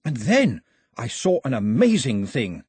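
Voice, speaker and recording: A man voicing an excitable, nervous young boy who tells a tale in a high, dramatic voice. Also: fairly quick, slightly rough, no room sound, full character voice. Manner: breathless, dramatic, high-pitched.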